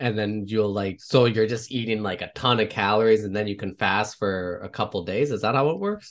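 A man with a plain, everyday voice, fairly low-pitched and fairly quick with hardly any pauses and fairly even intonation, against a quiet background. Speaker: podcast host and comedian. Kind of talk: casual interview chat.

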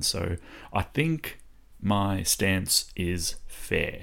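A man's very deep, low voice with an Australian accent, in a very clean recording with a silent background. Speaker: sport podcast host. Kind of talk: solo casual monologue. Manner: rambling, informal.

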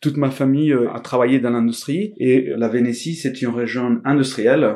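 A man's medium-pitched voice, dark and mellow in tone, with fairly even intonation and a fairly slow pace. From Italy, Venetian mainland near Venice. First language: Italian (speaking French). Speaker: archivist and historian. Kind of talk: interview. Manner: hesitant, many fillers.

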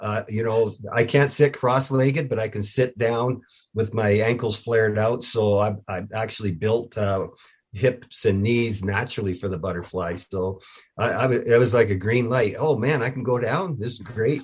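In a Canadian accent, a somewhat breathy voice speaks at a moderate pace with ordinary pitch variation over a quiet background. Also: man, medium pitch for a man. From northern Alberta, Canada (Grande Prairie). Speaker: retired hockey goalie. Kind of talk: interview.

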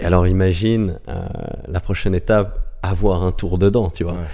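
A very deep, low male voice at a moderate pace, fairly even in intonation, with long, frequent pauses. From Geneva, Switzerland. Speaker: supercar collector and businessman. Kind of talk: casual interview chat.

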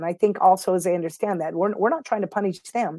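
Speaking at a very fast pace, a woman with a medium pitch keeps an animated tone. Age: 60s. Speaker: state legislator and former basketball coach. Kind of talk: interview.

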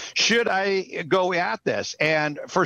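A man is speaking. The rise and fall of his pitch is ordinary. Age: 70s. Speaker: mortgage industry expert. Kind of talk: panel discussion.

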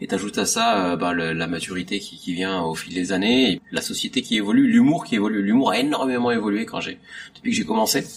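A man talks fairly quickly while clear background noise can be heard. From Morocco (Fès). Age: 30s. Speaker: comedian. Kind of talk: casual interview over a meal.

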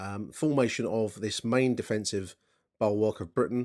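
A man at a fairly low pitch and fairly quick pace, ordinary pitch variation, on a very clean recording with a silent background. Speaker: podcast host. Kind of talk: reading aloud from an old newspaper, with casual commentary. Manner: wry, conversational, dry, hesitant with fillers like 'um' and 'uh'; reads the period prose in an expressive, measured storyteller's way.

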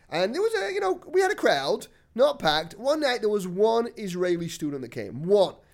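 In an American accent, a man speaks with a high pitch. His pitch swings very widely. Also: moderate pace. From England, Manchester. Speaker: rabbi and author. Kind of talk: casual interview chat.

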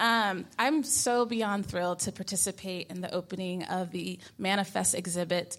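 A woman with an American accent speaks in an ordinary speaking voice at medium pitch, with ordinary pitch variation, a moderate pace and hardly any pauses. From Austin, Texas. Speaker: activist and community organizer. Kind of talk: moderated live discussion. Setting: stage with audience.

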